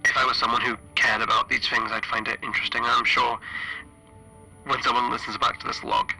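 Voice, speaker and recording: A man playing a frightened, stranded spaceship engineer recording an audio log for a horror roleplay, halting and stammering through a radio filter. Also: medium pitch, flat delivery, pushed and bright, soft background music, low-quality recording. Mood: uneasy musing. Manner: halting, stammering, anxious repetitions. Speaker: solo tabletop roleplayer.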